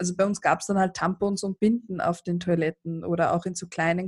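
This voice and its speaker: Her voice has a somewhat breathy quality. The woman speaks fairly quickly. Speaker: podcast host, sex educator. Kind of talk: interview conversation. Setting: studio, face to face. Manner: animated.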